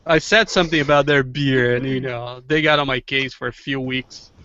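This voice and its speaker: A man's voice: medium pitch, pushed and bright, dry recording, dull audio. A man with a non-native accent chatting about beer on a video call, stopping and restarting his sentences. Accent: non-native English. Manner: halting, lots of restarts. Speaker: co-host. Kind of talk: casual beer chat.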